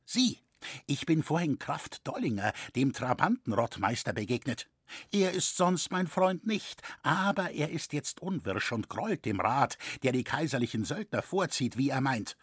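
A man's voice: mid-range voice, very animated, unhurried, slightly rough, no echo, studio quality. A man voicing an anxious old male woodcarver who pleads with agitation. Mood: uneasy. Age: older.

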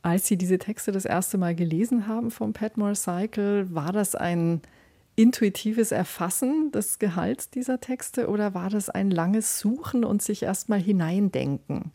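A female radio interviewer who asks long, carefully built questions in a measured way. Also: mid-range voice, dark tone.

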